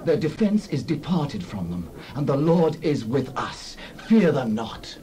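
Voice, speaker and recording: A man's voice: fairly high pitch, big pitch swings, measured pace, warm tone, slight background noise. A man playing a steadfast, reassuring ancient scout, exhorting his people in a dramatized scripture reading. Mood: firm reassurance.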